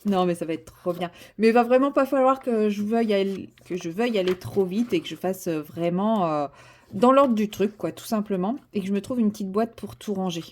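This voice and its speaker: In a casual home vlog, a woman speaks a little fast in a mid-range voice. She's chatty yet hesitant, with lots of fillers and corrections, and she perks up with excitement while presenting a craft kit.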